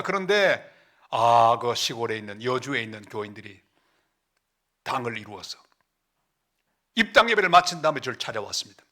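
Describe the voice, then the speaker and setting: Animated Korean pastor with a bright voice. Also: male voice, a little high. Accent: Gyeongsang Korean. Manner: animated storytelling with sudden drops to soft, slow asides. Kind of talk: sermon. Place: church sanctuary.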